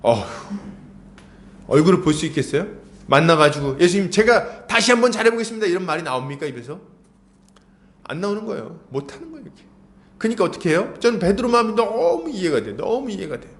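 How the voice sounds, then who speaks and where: A man preaching a sermon as pastor, storytelling with animated, acted-out lines. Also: fairly high pitch, fast talker, pauses often.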